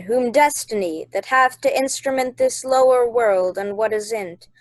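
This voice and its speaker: Woman playing stern airy spirit in a shakespeare radio play, highish voice, real dry close sound. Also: no echo, rough recording.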